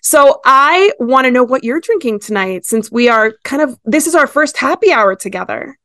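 A woman's voice: high-pitched, expressive, moderate pace, pushed and bright, no room sound, studio quality. A woman in her thirties from Ecuador, hosting a pet podcast in a chatty, enthusiastic way. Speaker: podcast host. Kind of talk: casual chat.

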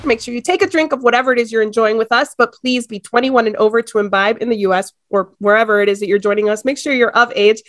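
A woman's voice: on the high side, fairly even intonation, quick pace, hardly any pauses, no room sound, clean studio sound. A woman in her thirties, born in Ecuador, hosting a podcast in a chatty, bubbly way. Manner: bubbly, chatty, laughs easily. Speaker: podcast host. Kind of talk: casual chat.

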